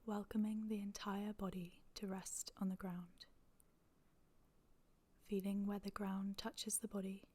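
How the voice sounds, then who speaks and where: Soft, even-toned woman guiding meditation. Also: medium pitch. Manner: soft, breathy, near-whispered delivery; calm, soothing, gentle, with long pauses. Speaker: yoga nidra meditation guide. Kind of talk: guided meditation.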